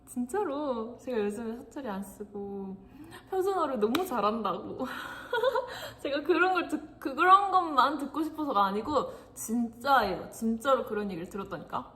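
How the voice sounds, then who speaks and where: Young woman, fairly high voice, giggly, chatty, livestream host, faint hum behind. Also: very animated, moderate pace, few pauses, bright, forceful tone. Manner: giggly, chatty, talks straight to viewers. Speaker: idol hosting a livestream. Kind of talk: casual livestream chat with viewers.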